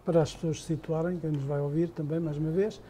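Quick, dark-toned male podcast host. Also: fairly high pitch, steady tone, a little hiss or hum. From outside Portugal. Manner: curious, steers the talk and explains things for listeners. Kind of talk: casual interview.

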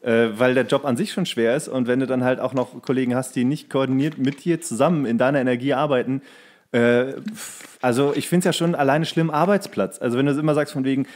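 A man with a medium-pitched voice tells anecdotes as a podcast co-host. His talk is loose and colloquial, full of joking asides and little quoted bits. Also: steady tone, brisk, a little mellow. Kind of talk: casual chat, bar anecdotes.

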